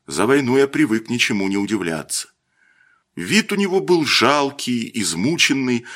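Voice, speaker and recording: Male audiobook reader, lively intonation, mid pitch, measured delivery. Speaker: narrator. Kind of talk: audiobook narration.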